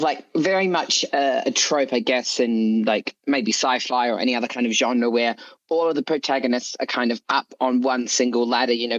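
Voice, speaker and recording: A man from the UK with a medium-pitched voice talks as a guest in a casual interview. He explains his thinking out loud as he goes. The recording is dry and a little dull and lo-fi. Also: no echo. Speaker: guest author. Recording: slightly dull, lo-fi audio.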